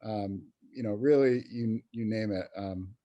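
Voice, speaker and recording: A New York State man, an adult in recovery working as a peer professional, appears as a podcast guest in his role as a youth recovery program coordinator. His lowish voice is warm and unhurried, with the highs cut off. He talks casually and hesitantly, full of fillers and restarts.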